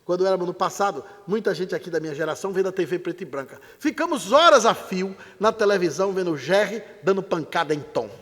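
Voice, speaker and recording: An older man with a Brazilian accent lectures a live audience, speaking with a notably high pitch. His delivery is animated and dramatic, like a practiced storyteller. His voice carries a long reverb through a large theater hall. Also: quick pace, few pauses.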